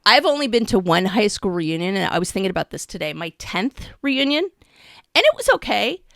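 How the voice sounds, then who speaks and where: Animated woman in her fifties chatting. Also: mid-range voice, normal speed, gravelly, no echo, studio quality. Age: 50s. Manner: animated, laughing, slangy. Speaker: podcast co-host. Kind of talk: casual chat.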